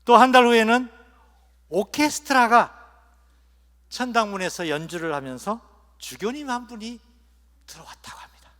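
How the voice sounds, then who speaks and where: A man preaching as a bishop at an ordination, telling humorous stories and letting his phrases trail off softly at their ends. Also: extremely high pitch, moderate pace, pauses often. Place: large cathedral. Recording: long cathedral reverb.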